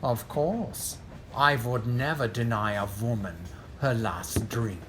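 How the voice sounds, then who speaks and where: Pompous, slow-talking Nazi general. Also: male voice, mid-range voice, a bit bright, soft background music. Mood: cruel amusement. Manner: pompous, theatrical, mock-courteous. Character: ruthless, smug Nazi general, coldly polite villain. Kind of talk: audio drama acting.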